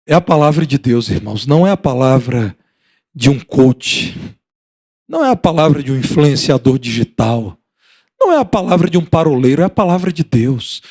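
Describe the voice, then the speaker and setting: A man's voice: mid-range voice, very animated, moderate pace, a little mellow. A middle-aged Brazilian man preaching a sermon as pastor, building rhythmic repetitions and voicing dialogue from his stories. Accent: Brazilian Portuguese.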